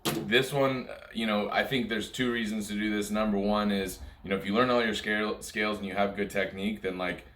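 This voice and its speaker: A man's voice: lowish voice, fairly even intonation, brisk, fairly bright tone, a little hiss or hum. A man giving a casual music lesson, talking informally and ramblingly, often repeating his points. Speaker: music teacher. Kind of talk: casual instructional talk to camera. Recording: echoey room sound.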